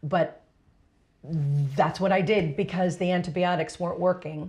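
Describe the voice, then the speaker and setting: With a fairly low pitch and a somewhat breathy quality, a woman speaks at a moderate pace using fairly even intonation. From US, San Francisco. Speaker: business founder. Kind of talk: interview.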